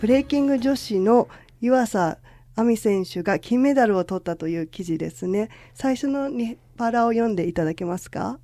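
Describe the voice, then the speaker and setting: Fast-talking woman hosting a podcast. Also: fairly high pitch, expressive, warm tone, no room sound, faint music behind. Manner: polite, scripted introductions. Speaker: podcast host and journalist.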